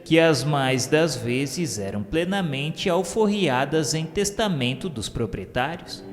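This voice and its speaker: A man with a Brazilian accent reading a solemn scripted radio drama narration in formal, measured literary diction. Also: fairly high pitch, lively intonation. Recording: long reverb, music under the voice.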